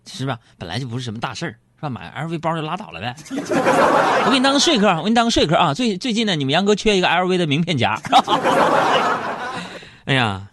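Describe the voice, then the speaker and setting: A man's voice: on the high side, huge pitch swings, fast, very noisy. A man hosting a radio show, telling jokes and teasing his listeners, laughing often. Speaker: radio host. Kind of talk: comedic radio monologue.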